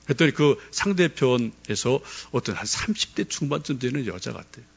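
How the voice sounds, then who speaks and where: A man's voice: mid-range voice, very animated, moderate pace, creaky, husky, highs cut off. A middle-aged male pastor giving a sermon, telling a personal story and putting questions straight to the congregation.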